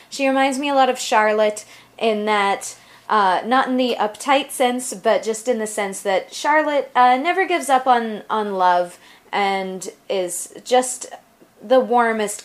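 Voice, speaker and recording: Woman doing casual podcast host chat, kinda gushy, normal mid pitch. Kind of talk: casual chatty podcast talk.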